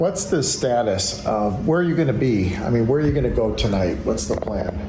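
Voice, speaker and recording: Very wide pitch swings from a man at very even loudness, with noticeable background noise. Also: medium pitch for a man, fairly quick pace. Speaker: recovery mentor, former alcoholic. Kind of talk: supportive phone call.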